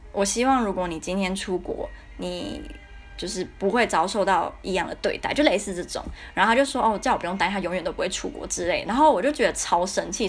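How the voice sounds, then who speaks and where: Young Taiwanese woman podcaster, Taiwanese Mandarin accent, rapid-fire casual monologue, blunt and indignant. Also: mid-range voice. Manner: candid, indignant storytelling with frequent fillers. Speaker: podcast host.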